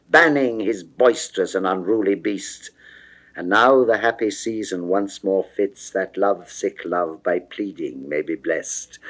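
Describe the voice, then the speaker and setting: A man narrating a poem as theatrical classical verse, moving between hushed and declamatory delivery. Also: on the low side, low-quality recording. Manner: dramatic, measured, swinging between hushed and declamatory. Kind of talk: classical theatrical verse recitation, 1960s recording.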